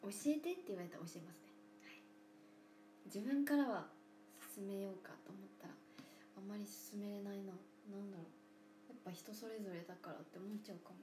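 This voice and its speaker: A woman in her twenties hosting a casual livestream, speaking softly and often dropping to a near whisper, with playful drawn-out thank-yous to viewers. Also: medium pitch. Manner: soft-spoken, often drops to a near whisper. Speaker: idol livestream host. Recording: roomy room with faint hum.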